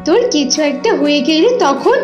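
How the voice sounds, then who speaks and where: A woman's voice: high voice, expressive, moderate pace, a little mellow. A woman voicing an anxious, protective mother fox in a cartoon, emphatic and pleading. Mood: scolding, worried. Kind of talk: cartoon voice acting. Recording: roomy echo with music.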